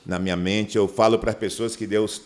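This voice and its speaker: A middle-aged pastor from Manaus, Brazil, tells stories in a podcast interview, acting out the dialogue in a raised voice. He's an animated storyteller with a fairly low pitch, speaking at normal speed.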